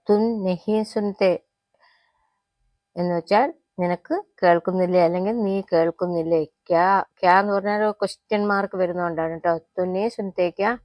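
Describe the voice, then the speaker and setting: A woman gives a spoken language lesson. She says each phrase slowly, repeats it, and then explains it quickly. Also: medium pitch, darkish tone, dry recording. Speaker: Hindi teacher.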